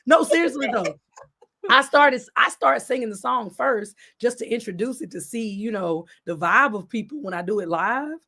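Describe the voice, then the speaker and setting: A woman singer and producer as an interview guest, telling animated stories and laughing often. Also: on the high side, normal speed. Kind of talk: casual interview chat.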